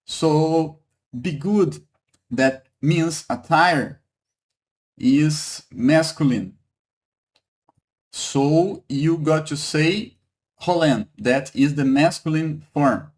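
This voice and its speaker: A man from Brazil with a Brazilian Portuguese accent, teaching a Hebrew lesson in English, halting and repeating words, checking in with "okay?" and "right?". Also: fairly high pitch. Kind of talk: online language lesson.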